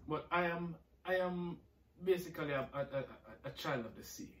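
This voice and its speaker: A man's voice: on the high side, moderate pace, fairly bright tone. A man in his forties from Jamaica with a Jamaican accent, casually answering interview questions and rambling with repeated words. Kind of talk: casual recorded answers, reading questions aloud. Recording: roomy, distant from the mic.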